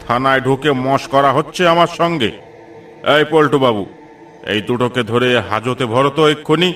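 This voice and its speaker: A man voicing a gruff, commanding middle-aged police officer in a cartoon. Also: medium pitch, normal speed, fairly bright tone, distant mic, close to an everyday voice. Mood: stern. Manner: commanding, dismissive.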